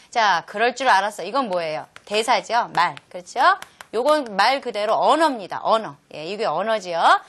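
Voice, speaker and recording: Woman teacher, lively lecture voice, fairly high pitch, quizzes the kids as she goes. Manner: animated, asks the viewers questions and answers them herself. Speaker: elementary Korean-language teacher. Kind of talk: lecture video for children.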